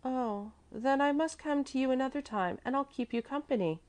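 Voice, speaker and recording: A woman's voice: on the high side, sing-song, normal speed, darkish tone, pitched above the performer's own voice. A woman voicing a chatty, trusting little girl who prattles eagerly in a children's storybook. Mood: friendly, sympathetic.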